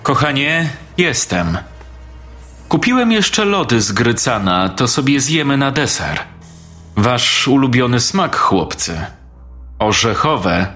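A man voicing a deranged middle-aged man who treats dolls as his family, speaking slowly and menacingly. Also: medium pitch, very animated, bright, forceful tone, soft background music, exaggerated voice. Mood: tender. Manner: menacing, then screaming.

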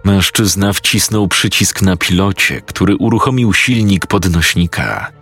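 A male narrator reading a horror story with a very deep, gravelly, slightly husky voice. He speaks slowly with lively shifts in pitch, and faint music runs underneath.

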